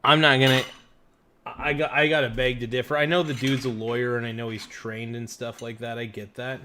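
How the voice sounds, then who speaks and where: A man hosting a casual livestream reaction, his voice worn hoarse, rambling and loudly thanking donors. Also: medium pitch, level tone, brisk, background noise. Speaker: livestream host.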